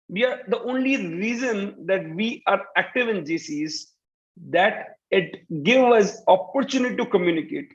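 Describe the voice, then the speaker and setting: A man's voice: high voice, highs cut off. A man in his thirties with an Indian English accent, an earnest communication trainer who keeps saying "you know, uh" and restarts his sentences, heard over a video call. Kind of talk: motivational talk to students.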